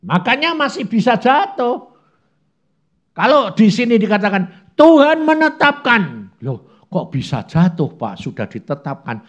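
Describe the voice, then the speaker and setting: A man's voice: high voice, very animated, muffled recording. A man preaching a conversational sermon, asking rhetorical questions and acting out little prayers and objections. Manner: acts out prayers and objections in quick asides.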